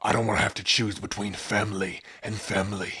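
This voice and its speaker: A surly orc guard, put on by a man, blunt and sneering but loyal underneath. The voice is very raspy and fairly low, with a hard, forceful edge, in an ASMR fantasy roleplay. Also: flat delivery, fairly quick, heavily acted. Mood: grudging, warning. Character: surly, taunting orc gate guard, loyal brother-in-arms.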